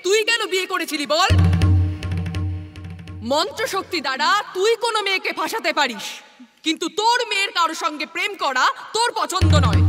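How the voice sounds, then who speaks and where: A woman's voice: very high-pitched, animated, a little fast. An actress dubbing a fierce, defiant old grandmother in a film, scolding and mocking her son and grandson. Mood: accusing. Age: older. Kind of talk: dubbed film dialogue. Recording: film soundtrack with loud music.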